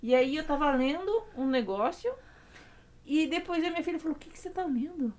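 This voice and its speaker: A woman's voice: high-pitched, animated, a little fast, darkish tone, slight background noise. A woman, a mother, chatting casually on a livestream, telling funny stories about her kids through laughter. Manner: laughing, playful storyteller.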